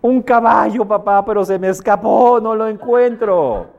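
A man's voice: on the high side, brisk, highs cut off, lightly acted. A man doing a cheerful eager little boy. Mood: excited. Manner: excited, bright-eyed.

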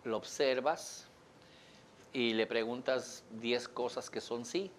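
A man with a Mexican accent giving a lively lecture to a live audience, joking and asking them questions. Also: medium pitch, slow, slight background noise. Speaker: speaker teaching an audience.

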